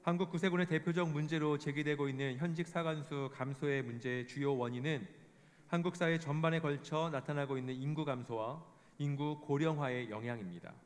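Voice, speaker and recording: A man giving a formal scripted report, reading statistics in a measured way. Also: fairly high pitch, steady tone. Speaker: presenter of a report. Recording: long hall reverb.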